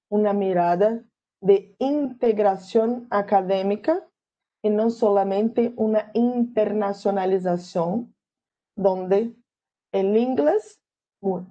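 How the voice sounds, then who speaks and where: A woman's voice: medium pitch, mellow. A Brazilian woman whose first language is Portuguese, giving an academic lecture in Spanish and searching carefully for her words. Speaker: guest lecturer.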